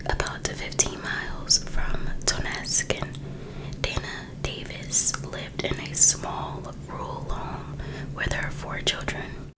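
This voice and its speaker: A woman softly whispering an ASMR reading as host, in a hushed, unhurried storytelling manner. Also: poor audio. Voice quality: soft unvoiced whisper. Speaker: ASMR host reading a true crime book.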